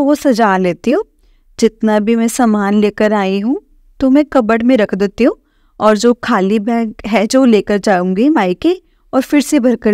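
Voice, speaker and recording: A woman's voice: a little high, mellow, no room sound, clean studio sound. A young woman earnestly sharing a personal story with a congregation, talking conversationally with many fillers. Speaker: satsang devotee sharing her story. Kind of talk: personal testimony told to a congregation.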